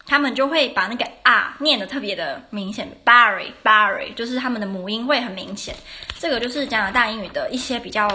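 A woman's voice: mid-range voice, sharp tone. A tired woman giving a casual podcast lesson on English phonetics, talking unhurriedly with many fillers and restarts.

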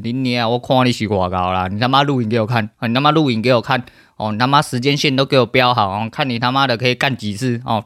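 A podcast host with a Taiwanese Mandarin accent rants solo, heated and full of profanity. He talks at a rapid clip in a middling pitch. The sound is dry and close, with no room in it. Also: no room sound.

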